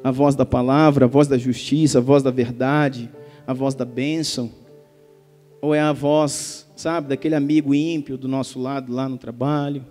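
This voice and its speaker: Emphatic Brazilian pastor in reverberant church. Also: male voice, mid-range voice, little pitch movement, moderate pace. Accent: Brazilian Portuguese. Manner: emphatic, swings between soft and loud. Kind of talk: sermon. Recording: reverberant church hall with soft music.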